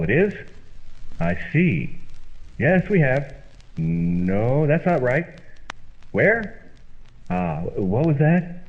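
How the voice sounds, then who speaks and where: A man acting as a wisecracking straight man and folksy pitchman in an old-time radio comedy, with an emphatic, theatrical delivery. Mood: dry, bemused. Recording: dull lo-fi old-radio sound, music behind.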